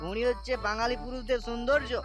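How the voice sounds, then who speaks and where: A woman's voice: on the high side, steady tone, very fast, over music, close to an everyday voice. A woman voicing a blunt, bickering, boozy middle-aged husband in a comic cartoon, full of slang. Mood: grumbling, irritated. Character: grumbling pot-bellied boozy husband, middle-aged, teasing.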